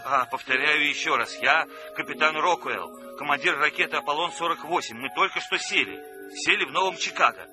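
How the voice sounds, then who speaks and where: A man's voice: on the high side, brisk, close to an everyday voice. An actor playing a courteous, businesslike rocket captain on a call in a radio drama, slightly hesitant in his phrasing. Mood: concerned, formal. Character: brisk, courteous rocket captain calling by telephone. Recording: loud music under the voice.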